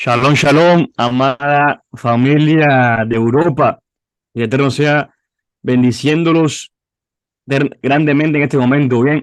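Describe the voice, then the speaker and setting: A man with a Cuban accent talks at a very slow pace and a fairly high pitch, his intonation fairly even. His loudness stays very even, and the sound is dry and close with no echo. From Cuba, Camagüey. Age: 20s. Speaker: youth pastor. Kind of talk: testimony.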